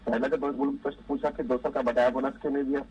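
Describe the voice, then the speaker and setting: A man's voice: medium pitch, flat delivery, racing, highs cut off, crowd noise. A man speaking assertively as a ruling party spokesperson in a TV political debate, defending his side insistently.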